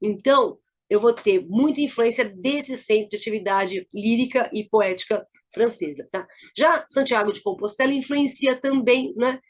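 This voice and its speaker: A middle-aged woman teacher with a Brazilian Portuguese accent, explaining a lesson and checking in often with her listeners. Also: a little high. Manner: explanatory, checks in with frequent tags. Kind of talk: recorded lesson review.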